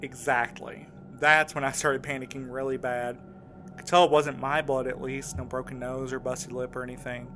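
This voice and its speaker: Casting: male actor for shaken, earnest man in an audio drama, mid-range voice, halting and defensive delivery, music underneath. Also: medium pitch, level tone, sharp tone, a little hiss or hum, natural voice. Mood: shaken, urgent. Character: shaken, insistent man recounting a frightening ordeal. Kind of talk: audio drama acting, first-person recounting.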